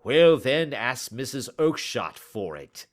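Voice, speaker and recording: A man voicing a surly, angry market salesman who shouts gruffly in a storybook reading. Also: lowish voice, big pitch swings, unhurried, full character voice. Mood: angry shouting.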